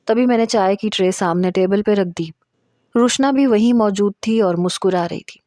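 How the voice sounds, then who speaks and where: A woman's voice: mid-range voice, a little mellow, dry recording, studio quality. A woman narrating a suspenseful first-person story in a tense telling.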